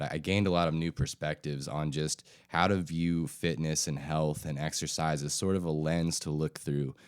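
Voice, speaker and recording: A young man in his twenties with a very deep voice, hosting his podcast. He sounds stuffy and nasal from a head cold and rambles loosely with fillers. His tone is smooth and resonant, recorded close and dry. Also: no echo. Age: 20s. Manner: relaxed, rambling, with fillers and restarts. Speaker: podcast host. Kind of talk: casual podcast talk.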